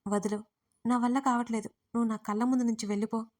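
A woman narrator voicing a hurt young woman who shouts angrily through tears in an audio story. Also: a little high, flat delivery, fast talker, close to an everyday voice. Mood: tearful angry.

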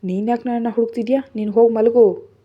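A woman voicing a harsh, commanding young husband in a storybook narration, speaking curtly and loudly. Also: mid-range voice, steady tone, brisk, natural voice. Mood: stern. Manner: curt, scolding, loud. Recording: dull lo-fi audio.

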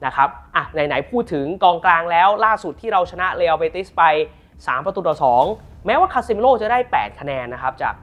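A man from Thailand giving a casual, animated football talk to camera as a commentator, chatty and joking. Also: fairly high pitch, fast talker, muffled recording. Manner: chatty and animated, jokes about the club, playful asides on pronunciation.

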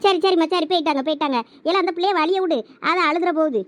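A middle-aged woman with a southern Tamil Nadu accent, acting a brisk village mother who scolds her son and fusses over guests in a comedy skit. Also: very high voice, a bit bright, no room sound. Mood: scolding. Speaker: comic skit actor.

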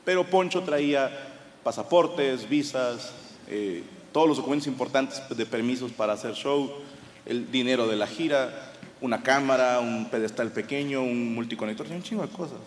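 A Mexican man with a Mexican Spanish accent, doing profane, animated stand-up storytelling on a live comedy stage. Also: mid-range voice, moderate pace. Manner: profane, animated, bursts into shouted punchlines. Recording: live hall reverb with audience noise.

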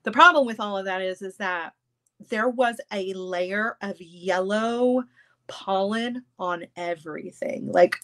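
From her home craft room, a jewelry-making livestream host in her thirties talks casually with viewers at a slow pace, her medium-pitched voice stuffy and congested. She comes across as chatty and animated, gesturing with her hands.

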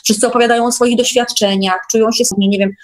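A woman's voice: fairly high pitch, fairly even intonation, fast. A woman chatting casually as a guest in an online meeting, often checking for agreement.

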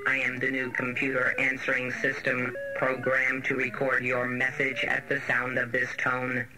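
A man voicing a dutiful office computer in a robotic monotone answering greeting. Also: mid-range voice, normal speed, music in the background, lightly acted, low-quality recording. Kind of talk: scripted answering machine greeting.

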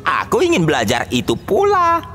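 A woman voicing a young fox in a cartoon, speaking eagerly with a very lively pitch. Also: moderate pace, faint music behind.

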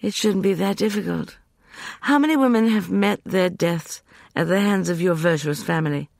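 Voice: mid-range voice, normal speed, gravelly, dry recording, studio quality, pitched above the performer's own voice, lightly acted. A narrator voicing an imperious, vengeful young woman with a light, piercing, scornful voice.

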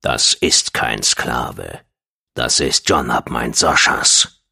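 A man voicing a calm, coldly resolute alien warlord in an audiobook, threateningly deep and hushed, with a measured, commanding manner. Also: vocal fry, slightly rough, heavily acted. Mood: calm defiance. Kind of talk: audiobook character voice.

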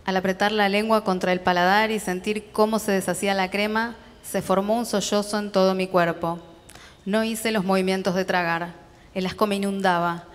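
A woman with a Rioplatense accent reads literary fiction aloud at a festival, steady and measured. Her voice sits at an ordinary middle pitch, and a long hall reverb trails after each sentence. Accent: Rioplatense Spanish. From Argentina.

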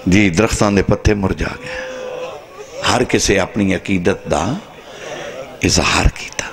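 A man's voice: low-pitched, unhurried, gravelly, crowd noise. A man from Pakistan, preaching an impassioned majlis sermon to mourners in a large tent, his voice swinging between dramatic rises and sudden drops. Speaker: zakir preacher at a mourning gathering. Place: large tent with a seated crowd. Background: gathered mourners.

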